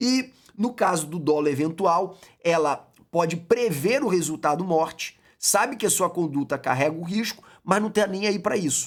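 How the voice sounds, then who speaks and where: This man's voice has a high pitch. It shows ordinary pitch variation. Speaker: law exam prep teacher. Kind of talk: online lecture. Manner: fast; casual, conversational.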